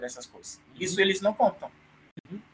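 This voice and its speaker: A raised, projected male voice, high in pitch and bright and sharp in tone, at a very fast pace. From Togo. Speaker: singer. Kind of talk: casual chat. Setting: studio.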